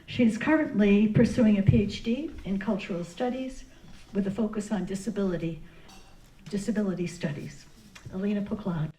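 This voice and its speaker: A woman's voice: mid-range voice, normal speed, mellow. A woman introducing a speaker at a forum in a formal way, recorded in a room away from the microphone. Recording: echoey room, distant mic.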